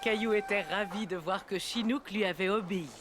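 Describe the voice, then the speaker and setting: A woman narrating a children's cartoon like a gentle storybook reader. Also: mid-range voice, fairly quick, heavy background noise, close to an everyday voice. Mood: warm storytelling.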